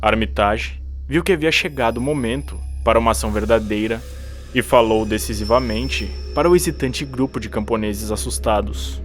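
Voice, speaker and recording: A man narrating a literary horror audiobook in measured, formal diction. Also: mid-range voice, faint music behind.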